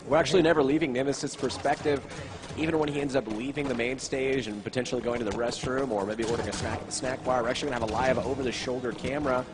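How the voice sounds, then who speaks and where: A young man casting an esports tournament, bantering in a deadpan, self-mocking way. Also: medium pitch, very fast. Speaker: esports caster. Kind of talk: joking esports commentary.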